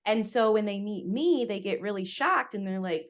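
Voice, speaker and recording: A woman guest on a podcast, speaking candidly and with animation in a relaxed interview conversation, from the United States. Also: medium pitch, normal speed.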